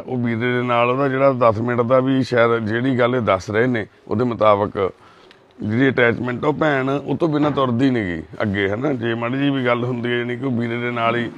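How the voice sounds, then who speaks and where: A man doing social service on a live video, gently soothing a frightened girl and repeating his reassurances. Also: medium pitch, dull audio. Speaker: social worker helping a lost girl.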